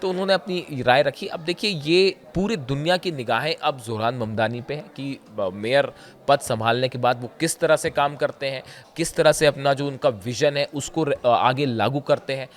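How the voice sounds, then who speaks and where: A hoarse man giving conversational news commentary straight to his viewers, pausing often and pointing things out as he explains. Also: mid-range voice. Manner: conversational, often says "dekhiye", frequent filler pauses.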